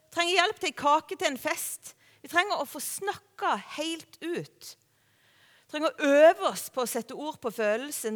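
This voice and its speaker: A woman preaching a sermon in a conversational way, often asking the listeners questions. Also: sits high. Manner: conversational, warm-hearted preaching with rhetorical questions. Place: church hall. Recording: long hall reverb.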